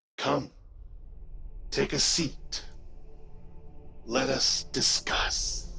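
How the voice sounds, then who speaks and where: A man uses a put-on character voice with a fairly high pitch. He speaks at a very slow pace, leaving long, frequent pauses. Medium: actual play. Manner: sincere, formal.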